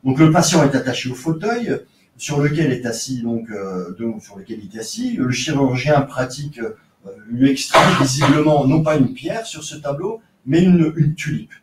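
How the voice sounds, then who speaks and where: A man's voice: medium pitch, animated, normal speed. Guy giving a lecture, lots of um and uh, mic kinda far away, echoey room. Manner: explanatory, with hesitations and many fillers. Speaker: archaeologist lecturer. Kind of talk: academic seminar lecture. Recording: roomy, distant lecture recording with faint noise.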